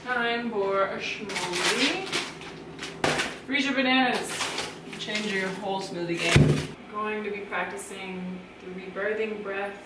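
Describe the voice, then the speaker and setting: A woman's voice: mid-range voice, slow. A young adult woman vlogging at home in a casual, candid and reflective way. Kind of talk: casual vlog talk. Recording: echoey room, faint noise.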